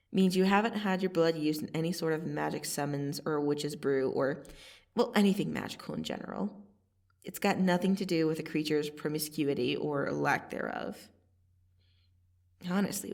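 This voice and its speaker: Casting: woman to voice female vampire assassin, ASMR audio drama. Gravelly fry, sardonic and casually threatening, slightly off-mic. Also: low-pitched, recorded from a distance. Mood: teasing, matter-of-fact. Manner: slow, casual, sardonic delivery with long pauses. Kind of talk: ASMR roleplay monologue to the listener.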